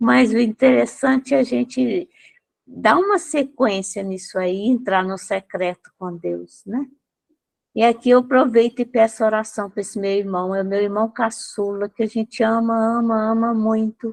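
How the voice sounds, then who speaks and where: In an ordinary speaking voice, a woman with a fairly high pitch and ordinary pitch variation speaks at a moderate pace, the sound dry and close with no echo. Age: 60s. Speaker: participant in online prayer meeting. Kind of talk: testimony. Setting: video call.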